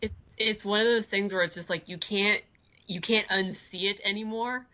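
A woman's voice: medium pitch, steady tone, moderate pace, lo-fi sound, crowd noise. A woman co-hosting a podcast, chatty and often laughing. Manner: giggly, chatty. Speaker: podcast co-host. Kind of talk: casual podcast chat.

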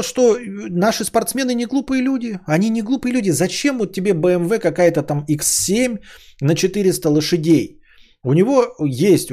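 A man's voice: a little high, warm tone. A man hosting a podcast stream, reading out donations and rambling casually with many hesitations and blunt swearing. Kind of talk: casual livestream chat.

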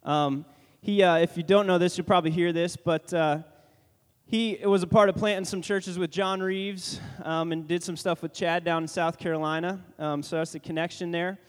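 A man's voice: high-pitched, steady tone, moderate pace. A man making casual church announcements, joking and rambling with many restarts. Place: church sanctuary. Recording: long reverb from a large church hall.

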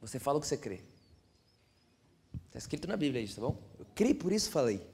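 A young man preaching a sermon, animated, acting out quoted voices and asking the congregation questions. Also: mid-range voice, fast, creaky, in a large hall.

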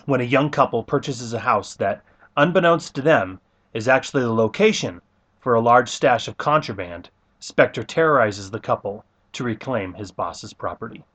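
Male podcast host doing his intro, upbeat, mid pitch. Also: animated, moderate pace, a bit bright. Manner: upbeat, enthusiastic. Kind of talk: scripted podcast intro narration.

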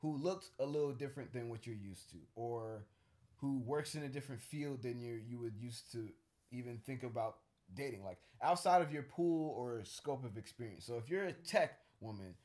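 A man's voice: mid-range voice, normal speed, a little mellow. A man co-hosting a casual podcast chat, talking in a rambling, thoughtful way with many fillers and restarts. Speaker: co-host.

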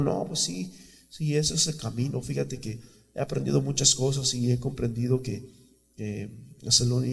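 A man's voice: medium pitch, gravelly. Man, pastor, fervent chatty sermon, long church reverb. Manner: fervent, conversational, says "brother" often.

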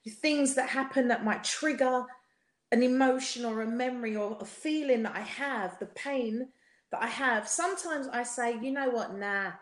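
South london woman, highish voice, telling her story on a podcast, emphatic, lots of echo. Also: moderate pace. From South London, England. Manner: emphatic, rhetorical repetition, often seeks agreement. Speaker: podcast guest, singer. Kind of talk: personal testimony in a podcast conversation. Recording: roomy, echoey sound.

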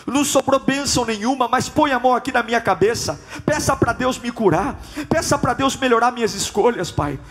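A man's voice: very high-pitched, lively intonation, brisk. A man voicing Esau, shamed and pleading. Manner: pleading, shouted confession. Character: ashamed biblical man pleading with his father.

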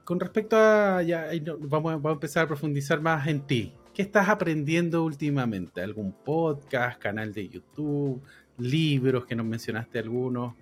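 A man's voice: on the high side, animated, normal speed, faint music behind. A man hosting a podcast, interviewing his guest enthusiastically and repeating words for emphasis. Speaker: podcast host.

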